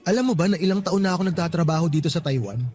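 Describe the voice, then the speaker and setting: A man with a Filipino accent acting as an affectionate, easygoing boyfriend in a radio romance drama, speaking in a conversational, expressive way. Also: a little high, rapid-fire, faint music behind, close to an everyday voice. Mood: cheerful, relaxed.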